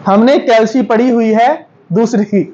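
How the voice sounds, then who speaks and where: High-voiced man drilling pronunciation slowly. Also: fairly even intonation, warm tone, highs cut off. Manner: corrects students, repeats words slowly and drills stress. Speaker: English pronunciation teacher. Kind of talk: classroom lesson. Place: classroom.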